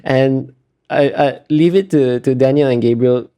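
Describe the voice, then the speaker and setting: A man's voice: medium pitch, measured pace, mellow, clear, resonant tone. A man being interviewed as an artist, talking casually and explaining in a hesitant, self-correcting way.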